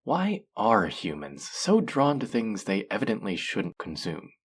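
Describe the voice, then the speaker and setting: A man's voice: lowish voice, huge pitch swings, measured pace, breathy edge, full character voice. A man playing a teasing, sardonic, flirtatious male faerie in a scripted audio roleplay. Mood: exasperated, sardonic. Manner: sardonic, teasing, drawling with sighs.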